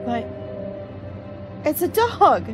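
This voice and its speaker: A woman playing a chatty, brisk college girl in a radio horror drama. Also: high voice, sing-song, music in the background, full character voice. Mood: alarmed. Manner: chatty, colloquial.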